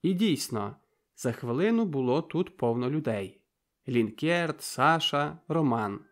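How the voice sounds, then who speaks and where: A man reading an audiobook, narrating in a steady, measured way. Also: a little high.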